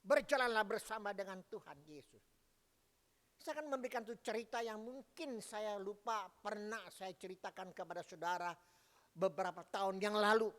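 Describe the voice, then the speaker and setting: A man's voice: sits high, normal speed, a bit bright. A male pastor preaching emphatically and telling a story during a church service, recorded in a church hall. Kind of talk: sermon.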